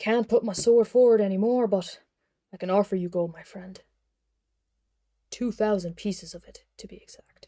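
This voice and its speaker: In a put-on character voice, a woman growls in a gruff tone at a medium pitch and moderate pace, with fairly even intonation, big swings in loudness and long, frequent pauses. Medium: solo performance. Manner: gruff, growling.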